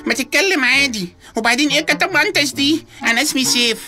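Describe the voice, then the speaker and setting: A woman's voice: sits high, lively intonation, rapid-fire. A woman voicing Seif, a baby boy who grumbles like a weary grown-up in a comic children's radio play, with an Egyptian accent. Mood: grumbling. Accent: Egyptian Arabic. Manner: world-weary, grumbling adult talk from a baby. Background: background music.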